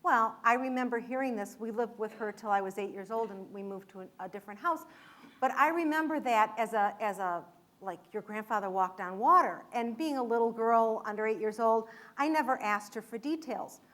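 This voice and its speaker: A woman's voice: fairly high pitch, brisk, fairly bright tone. A woman from Michigan, an author, telling a family story in a conversational public talk with a few restarts. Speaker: author speaking at an event.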